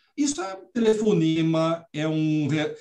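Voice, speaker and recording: At a very slow pace, a high-pitched man talks with ordinary pitch variation. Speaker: building automation engineer. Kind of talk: live video panel discussion.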